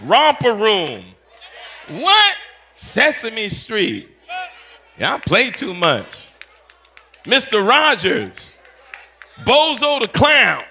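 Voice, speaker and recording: A pastor in his fifties, talking in a playful, animated way and teasing his audience with quick call-outs. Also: high-pitched. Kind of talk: playful teaching session talk.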